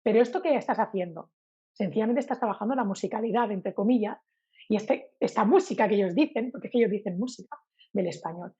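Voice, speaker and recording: A woman from Spain, a Spanish teacher, chats in a casual interview, talking animatedly and acting out her examples in a sing-song voice. Her mid-range voice is warm with a breathy edge, and she speaks quickly. The recording is muffled.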